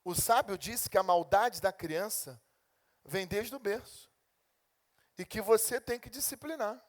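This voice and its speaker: Preaching a lively sermon, a pastor with a Brazilian Portuguese accent takes turns voicing God and his grumbling believers. He speaks a little slowly in a voice that sits high.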